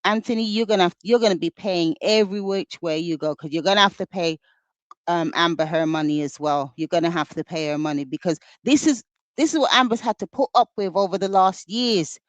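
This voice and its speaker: A woman with a London accent co-hosting a casual commentary chat, animated and playful, joking in mock patois. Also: fairly low pitch, a little fast, dry recording. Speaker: co-host.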